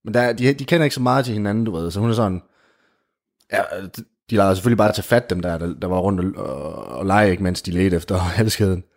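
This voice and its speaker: A man telling an improvised comic story in casual chat, animated and full of fillers. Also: low voice. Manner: animated, jumps into character voices, many fillers like "du ved".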